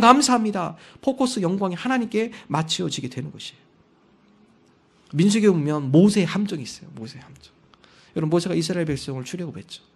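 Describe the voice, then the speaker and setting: High-pitched Korean man preaching a sermon. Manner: storytelling with acted quotes; rising to loud emphasis on key lines. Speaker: pastor.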